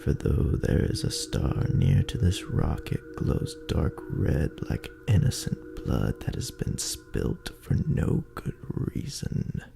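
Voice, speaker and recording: A man narrating a dark horror story in a brooding, theatrical, gravelly voice that often drops toward a breathy near-whisper. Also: very deep voice, huge pitch swings, slow, few pauses, music in the background. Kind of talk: dramatic horror story narration in second person.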